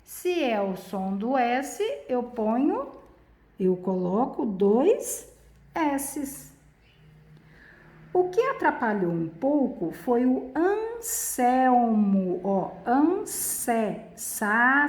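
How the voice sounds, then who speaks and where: A woman teacher walks through a spelling lesson one step at a time, very slowly and patiently. Her voice sits a little high and moves lively up and down. The room around her is echoey. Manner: slow, patient, explaining step by step.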